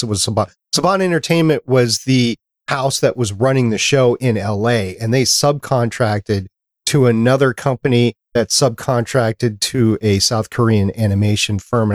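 A man hosting a podcast in casual chat, steering the talk and quickly adding facts. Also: medium pitch, no room sound, clean studio sound. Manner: leads the talk, quick and factual. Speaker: podcast host.

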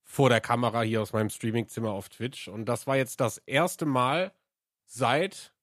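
A man's voice: mid-range voice, normal speed, dry recording, studio quality. A man co-hosting a podcast, a streamer chatting casually and laughing easily. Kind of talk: casual chat.

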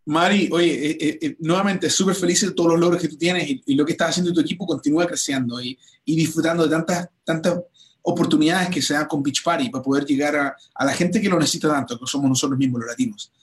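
A man's voice: on the high side, fast talker. A man hosting an enthusiastic promotional interview, talking with frequent restarts and repeated words. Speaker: host. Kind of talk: livestream interview chat.

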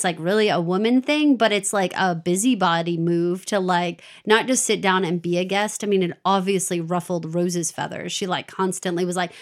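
A woman co-hosting a podcast in casual chat, animated, laughing often and quoting characters. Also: mid-range voice. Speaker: podcast co-host.

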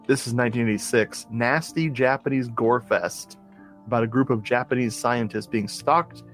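A man chatting on a podcast, enthusiastic and rambling, often stopping to restart a sentence. His voice sits at an everyday middle pitch, with faint music behind him. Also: moderate pace, fairly bright tone. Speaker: podcast co-host. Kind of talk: casual chat about horror movies.

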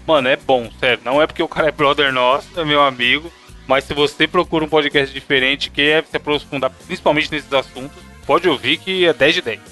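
A man's voice: on the high side, fairly even intonation, a little fast, sharp tone, faint music behind. A man co-hosting a podcast, chatting casually in a slangy, jokey way. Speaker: podcast co-host.

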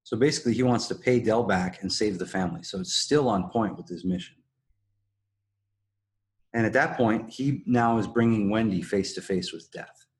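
Male podcast host, lowish voice, casual analytical recap, explanatory delivery. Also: moderate pace.

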